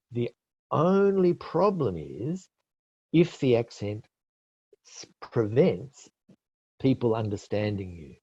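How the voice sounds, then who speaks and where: Warm and mid-range with a breathy edge, this middle-aged Australian man presents IELTS tips in a webinar with no room sound. He teaches and takes questions, explaining patiently while correcting himself and using many fillers. Recorded through a webinar call mic, the audio is dull and lo-fi.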